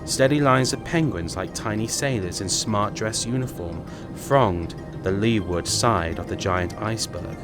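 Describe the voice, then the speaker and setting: A man's voice: lowish voice, unhurried, hardly any pauses, over music. A man reading a dramatic audiobook as narrator, in scripted storytelling style.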